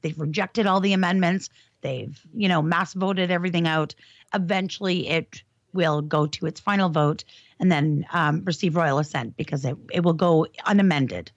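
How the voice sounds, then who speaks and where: A woman co-hosts the podcast from a video call and explains things in a matter-of-fact way. Her voice sits a little low, and the call audio sounds slightly dull. The sound is dry. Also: moderate pace, no room sound. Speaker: podcast co-host. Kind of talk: casual talk show discussion.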